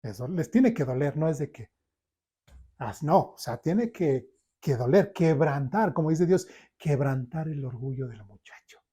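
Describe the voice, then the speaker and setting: A Mexican-accented man preaches a church sermon, speaking emphatically and often pausing to check that his listeners follow. His voice sits somewhat high yet sounds dark and mellow, with a husky edge. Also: expressive. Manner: emphatic preaching with frequent rhetorical check-ins. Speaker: pastor.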